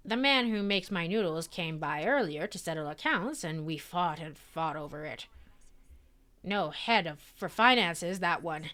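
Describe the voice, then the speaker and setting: A woman's voice: on the low side, lively intonation, sharp tone. A woman putting on a fussy old-lady noodle-shop owner. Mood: chatty. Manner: grandma voice, slow and fussy. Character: chatty gossipy older noodle-shop proprietress.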